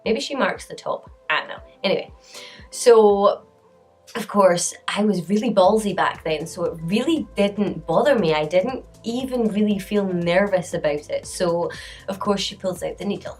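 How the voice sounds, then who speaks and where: A woman's voice: medium pitch, moderate pace, faint music behind. A woman in her late twenties telling a storytime vlog in a chatty way, often breaking into laughter. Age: late 20s. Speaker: vlogger.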